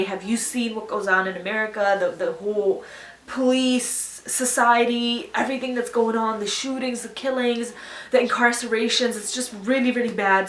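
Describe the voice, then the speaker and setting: Recorded from a distance in an echoey room, with her voice a bit off-mic, a young woman from Pakistan chats casually as a YouTuber. She answers viewers' questions earnestly and reflectively in a mid-range, slightly bright voice.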